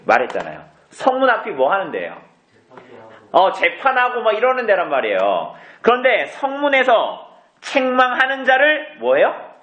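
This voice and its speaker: In a church sanctuary with roomy echo, a male pastor with a high, slightly bright voice preaches an evening sermon expounding the Bible. He poses questions to the congregation and answers them himself.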